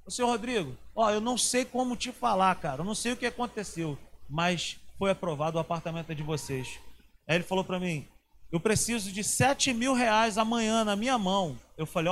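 Rio pastor guy preaching, high voice, tells his story going from quiet to shouting, faint room noise. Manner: storytelling, swings from hushed to shouting. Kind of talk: sermon.

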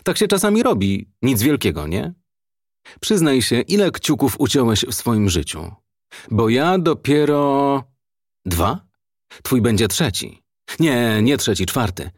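A man's voice: big pitch swings, a little slow, dry recording, studio quality. A man playing a menacing mocking police chief. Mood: taunting. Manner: taunting, low and mocking. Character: menacing, brutal male police inspector.

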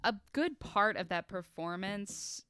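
A woman co-hosting a podcast, explaining the background in a measured, casual way. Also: medium pitch, animated, pushed and bright, clear, resonant tone, no room sound, studio quality. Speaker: podcast co-host. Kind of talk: casual chat, recounting research.

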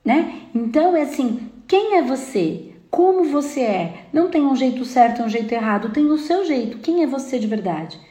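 A woman's voice: high-pitched, lively intonation, moderate pace, hardly any pauses, mellow, echoey room. A woman with a Brazilian Portuguese accent giving an emphatic spiritual self-help talk, often checking in with "né?" and "tá?". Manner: emphatic, frequent "né?" and "tá?" checks, mimics complainers. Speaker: spiritual speaker.

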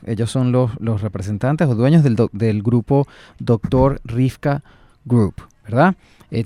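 Mellow-voiced male radio host. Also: medium pitch, no room sound, studio quality. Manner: hesitant, frequent fillers and backchannels. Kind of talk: radio interview. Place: radio studio.

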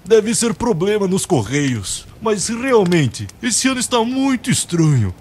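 Radio drama Santa, played by a man: old, crotchety, blustering, high voice over noticeable background noise. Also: big pitch swings, a little slow, darkish tone. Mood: grumbling. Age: older. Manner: theatrical, blustering. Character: grumpy, foul-mouthed old Santa Claus.

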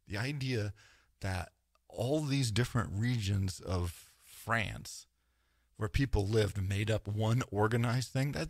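A man talking through ideas in a rambling, animated lecture style, often tagging points with "right?" and asides. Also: medium pitch, husky, dry recording, studio quality. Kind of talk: casual lecture-style talk.

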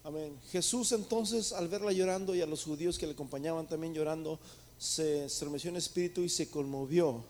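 A man's voice: on the high side, fairly quick, darkish tone. A man preaching a sermon, rising to emphatic peaks and calling his listeners brothers. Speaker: pastor.

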